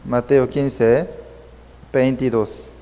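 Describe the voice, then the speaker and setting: A man's voice: mid-range voice, level tone, very slow, mellow. A man teaching a Bible study lesson, repeating points and checking his listeners with questions. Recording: long hall reverb.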